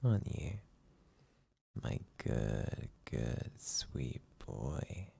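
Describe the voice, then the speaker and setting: Guy putting on a clingy sweet boyfriend, husky dark whisper, real slow and hushing. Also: extremely low pitch, big pitch swings, voice pushed down, full character voice. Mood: soothing. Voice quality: whispery, gravelly, breathy. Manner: slow, soothing, coaxing hush. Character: doting, possessive boyfriend lulling listener to sleep. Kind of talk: ASMR roleplay.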